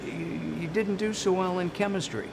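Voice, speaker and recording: A man's voice: sits high, fairly quick, noisy background. A man hosting an interview program, friendly and teasing, often hesitating with "uh". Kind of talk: hosted interview.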